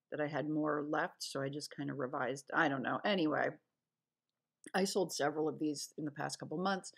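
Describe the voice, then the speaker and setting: A woman with a low-set voice talks casually over a screen recording, listing what she sold. She rambles a little, trailing off and correcting herself as she goes. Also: vocal fry. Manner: chatty, rambling with fillers and self-corrections. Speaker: online reseller.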